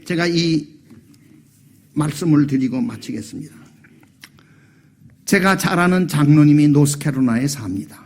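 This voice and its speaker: A man's voice: a little high, a little mellow. A man pastor preaching a sermon in a church, telling a story and acting out the quotes, then rising to emphatic appeals. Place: church sanctuary.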